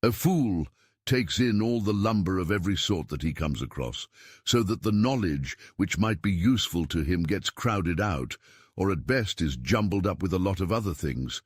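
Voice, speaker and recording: A man voicing an eccentric, self-assured Victorian gentleman detective in an audiobook, speaking in a precise, didactic manner. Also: low voice, lively intonation, normal speed, slightly rough, no room sound, studio quality. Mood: matter-of-fact, didactic. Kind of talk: audiobook character dialogue.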